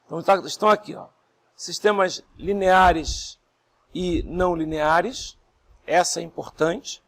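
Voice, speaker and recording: A hoarse male lecturer teaching a class. He goes step by step, asks his students questions, and speaks softly with pauses for breath. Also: sits high, steady tone. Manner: speaks softly and not fast, pausing to breathe. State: hoarse, voice strained after illness. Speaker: university lecturer.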